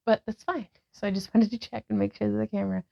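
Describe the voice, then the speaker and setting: A woman in her thirties guides a yoga practice in a calm, gentle way, with a gravelly fry running through her mid-pitched voice. The recording sounds a little dull and lo-fi. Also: quick pace. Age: 30s. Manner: calm, gentle cueing with breath prompts. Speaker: yoga vlogger and instructor.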